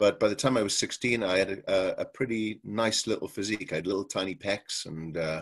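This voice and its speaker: A man talks at a fairly quick pace with hardly any pauses, in a plain, everyday voice. His pitch sits fairly low, with ordinary variation. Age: 60s. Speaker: bodybuilder. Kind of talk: interview.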